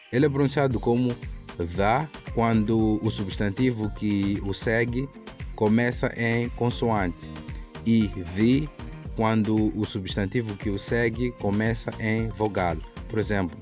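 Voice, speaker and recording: A man teaches English grammar in a lower voice. He talks patiently and slows right down on each example. Faint music plays under him throughout. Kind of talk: online language lesson.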